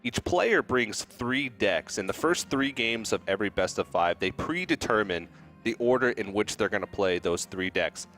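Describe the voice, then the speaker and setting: A man explaining the format and stakes of an esports tournament in a clear, step-by-step way. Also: fairly low pitch, lively intonation, normal speed, fairly bright tone, faint music behind. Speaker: esports caster.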